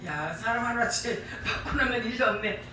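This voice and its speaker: Preaching briskly in a church sanctuary, a middle-aged woman speaks with a fairly high, sharp voice and a Gyeongsang Korean accent. She is emphatic and folksy, repeating important phrases for emphasis. A distant mic picks up the echoey hall along with a little hiss or hum.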